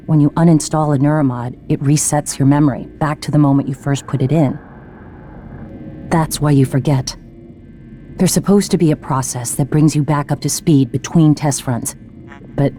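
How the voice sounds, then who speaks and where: An actor playing a scientist who calmly leaves a recorded message explaining things to himself, in a video game. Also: male voice, fairly high pitch, natural voice. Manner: calm, confiding, matter-of-fact. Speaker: game character. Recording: game audio with faint music.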